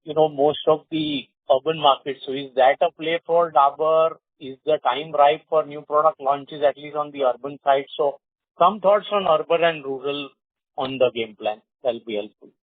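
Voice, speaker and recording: Analyst caller, man, fairly high voice, thin dry phone-line sound, hedges with "you know.". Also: moderate pace, no room sound. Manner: questioning, leans on "you know" fillers. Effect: heard over a phone line. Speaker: analyst asking questions on an earnings call. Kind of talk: conference call question. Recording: tinny, dry phone line with airy hiss.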